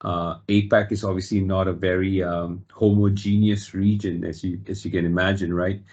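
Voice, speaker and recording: A man in his fifties from Singapore, answering interview questions in a measured, reflective way with frequent fillers. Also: deep voice, flat delivery, darkish tone, dull audio. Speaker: guest.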